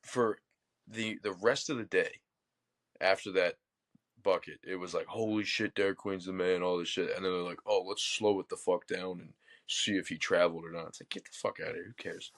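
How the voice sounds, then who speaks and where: A man with a very low voice, co-hosting a casual sports podcast. He is from Baltimore and talks bluntly, swearing freely and mocking with sarcasm. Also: fairly even intonation, fairly quick, a bit bright. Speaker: podcast co-host.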